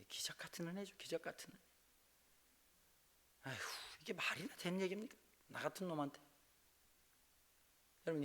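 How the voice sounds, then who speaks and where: A male pastor from Busan, preaching a revival sermon in a church with humor, moving between quiet asides and loud exclamations. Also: medium pitch. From Busan, South Korea. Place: church sanctuary.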